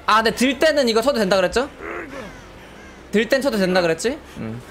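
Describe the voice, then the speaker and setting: Excitable streamer man, very lively pitch. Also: a little fast, background noise. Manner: excitable, bursts into loud surprised exclamations. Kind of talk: casual live gameplay commentary. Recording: game music behind the voice. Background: game music.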